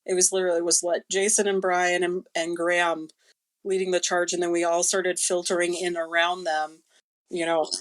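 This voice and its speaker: Woman guest on a podcast, slightly low voice, talks candid and emphatic. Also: little pitch movement, normal speed. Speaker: creative director of a podcast, guest. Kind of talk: casual interview chat.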